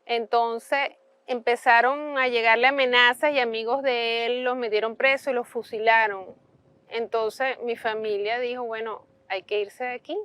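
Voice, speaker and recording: A woman's voice: fairly high pitch, sharp tone, clear, resonant tone, no room sound. A woman from Cuba, telling her own story in a conversational, reflective way. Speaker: interviewee. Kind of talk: personal testimony.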